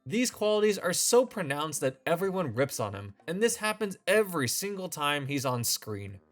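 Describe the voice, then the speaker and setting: A man's voice: a little high, sing-song, moderate pace, soft background music. A man hosting a scripted commentary video, opinionated with a wry, sarcastic edge. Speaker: video essay host.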